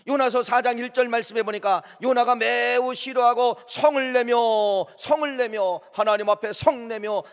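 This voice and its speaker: A pastor preaches emphatically in a church sanctuary, filling his sermon with rhetorical questions he answers himself. His voice sits high and a bit bright, and long church hall reverb colors the recording.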